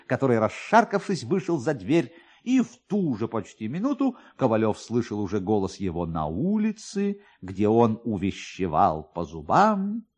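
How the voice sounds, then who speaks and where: A man's voice: low voice, a little mellow. A man narrating a classic story in a theatrical, dramatised radio reading style.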